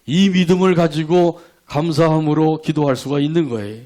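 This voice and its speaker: A man's voice: a little high, steady tone, normal speed, warm tone. A man preaching a sermon as pastor, asking the congregation rhetorical questions and leading them in repeating scripture line by line. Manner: leads congregation in call-and-response verse reading; asks rhetorical questions, acts out quoted prayers.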